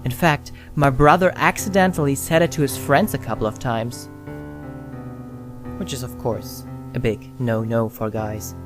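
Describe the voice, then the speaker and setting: A narrator reading a scripted first-person story in short phrases with frequent pauses. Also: medium pitch, steady tone. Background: music with guitar and piano.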